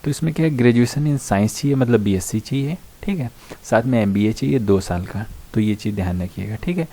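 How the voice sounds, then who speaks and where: Warm and medium-pitched, an Indian online educator talks students through a job vacancy notice point by point at a normal speed. It's an informal, conversational explainer peppered with short check-in tags.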